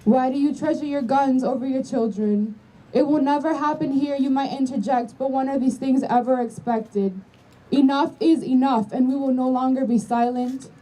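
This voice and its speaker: A woman's voice: high-pitched, fairly even intonation, moderate pace, mellow. A young woman student leading a rally with a solemn, impassioned speech. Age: young adult. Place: outdoor school campus. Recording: distant mic, faint outdoor noise.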